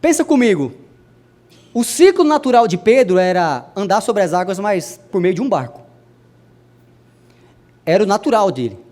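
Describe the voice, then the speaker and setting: A young adult man preaching a sermon to a congregation, speaking to them directly and swinging his voice from soft to loud. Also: big pitch swings, moderate pace, long pauses. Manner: addresses the congregation directly, wide swings in pitch and loudness.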